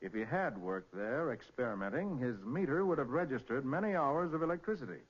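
An actor with an American accent playing a confident master detective in 1940s radio drama, explaining things in an assured, crisp manner. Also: male voice, mid-range voice, animated, fairly quick. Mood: assured, explanatory. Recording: muffled vintage 1940s radio recording with music.

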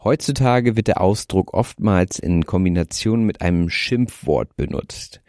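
A young man in his twenties with a light north German accent reads his prepared podcast script in a careful, deliberate way. His voice sits very low and dark, and the sound is close and dry, with no room ring. He speaks into a handheld mic from under a blanket in bed. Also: no room sound. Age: 20s. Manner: careful, deliberate delivery aiming for standard German. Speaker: podcast host. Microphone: handheld microphone.

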